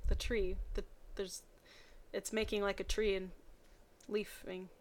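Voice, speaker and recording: A woman's voice: mid-range voice, flat delivery, measured pace, a little hiss or hum. A woman reading a story aloud dramatically, breaking off for playful, mocking asides. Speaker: reader of fan fiction.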